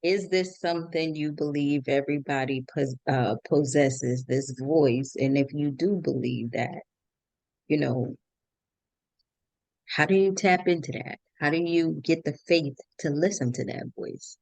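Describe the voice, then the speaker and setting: On this dry recording, an American podcast host speaks in a deep, slightly mellow voice at a somewhat slow pace. Her show blends conversational interview with motivational talk, and she delivers it emphatically, returning again and again to repeated phrases.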